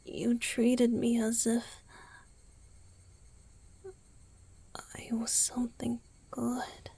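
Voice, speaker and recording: Woman as a slow, whispering, wistful vampire boyfriend. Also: a little high, completely flat delivery, warm tone, no room sound, exaggerated voice. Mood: tender, confessional. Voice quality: breathy, whispery. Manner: hesitant, tender, confessional, with halting pauses. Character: gentle, wistful, guilt-ridden young male vampire boyfriend. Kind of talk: ASMR roleplay, intimate whispered monologue.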